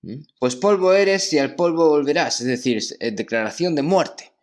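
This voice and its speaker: A man preaching a sermon as pastor in a church, in a measured delivery that keeps checking in with his listeners through short questioning tags. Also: fairly high pitch, expressive, darkish tone.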